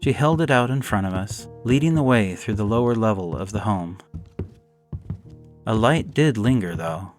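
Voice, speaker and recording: A man narrating a first-person gothic horror story in a measured, solemn way, faint music underneath. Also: fairly low pitch.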